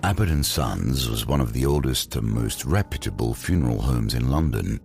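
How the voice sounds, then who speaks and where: Gothic horror narrator: rumbling, extremely low, creaky, grave and deliberate, music underneath. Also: male voice, lively intonation, a little mellow, heavily acted. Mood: wry, grave. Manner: deliberate, dramatic pauses. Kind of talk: scripted audio drama narration.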